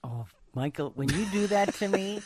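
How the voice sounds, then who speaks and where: A woman with a low, sultry voice chats on a studio mic, rambling and laughing at herself. Her pitch swings widely, and the sound is close and dry. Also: lively intonation, moderate pace, darkish tone, breathy edge, no echo. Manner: rambling, giggly, self-deprecating. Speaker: radio co-host and polka singer. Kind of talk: casual radio chat.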